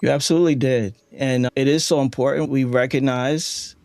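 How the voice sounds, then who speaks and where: Male interview host, medium pitch, earnest and affirming, recorded close and dry. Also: steady tone, moderate pace, darkish tone, no room sound, soft background music. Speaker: interview host, audio dramatist. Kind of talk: reflective interview conversation.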